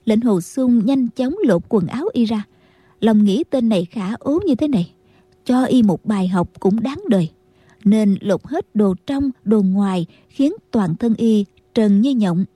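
A woman narrating a martial-arts novel as an audiobook, in a steady storytelling manner. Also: mid-range voice, unhurried, no room sound.

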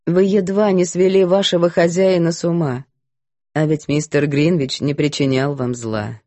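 A woman voicing a composed, firm governess who speaks calmly and evenly, a little lower. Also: no room sound, lightly acted. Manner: calm, measured, composed. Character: calm, firm older English governess.

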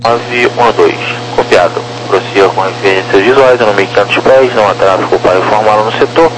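A man's voice: on the low side, brisk. A Brazilian man working as an air traffic controller, giving clipped instructions digit by digit over a radio like police dispatch. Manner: reads numbers digit by digit. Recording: noisy radio channel with electrical hum.

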